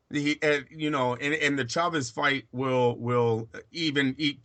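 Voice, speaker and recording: A man talking boxing in a casual chat, opinionated, in quick bursts with fillers and restarts. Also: medium pitch, gravelly, bright, forceful tone. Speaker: boxing pundit.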